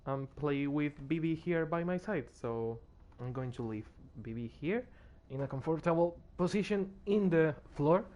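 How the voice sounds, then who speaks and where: A man's voice: on the high side, lively intonation, moderate pace, few pauses, a little mellow, highs cut off. A tired man streaming a game, losing his voice and rambling as he plays, with faint music behind him. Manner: rambling, restarts when moved. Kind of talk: casual gameplay commentary.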